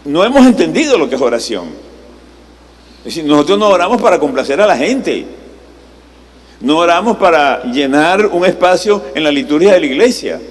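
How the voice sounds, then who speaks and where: A man's voice: on the high side, very animated, moderate pace. A male pastor preaching a sermon in a conversational way, posing rhetorical questions to the congregation. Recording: live sermon in a reverberant hall, faint noise.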